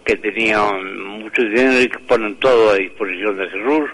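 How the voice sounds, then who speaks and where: A man, a priest and author, telling stories slowly in a radio interview, with many hesitations and restarts. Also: fairly low pitch, a bit bright, a little hiss or hum, rough recording.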